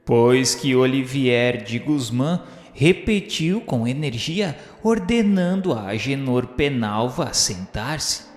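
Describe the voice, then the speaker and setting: Slow, solemn Brazilian male narrator, echoing. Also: medium pitch, animated. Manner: grave, declamatory, formal. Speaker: narrator of a radio novel. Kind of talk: solemn scripted dramatic narration of a novel. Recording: roomy long reverb with music.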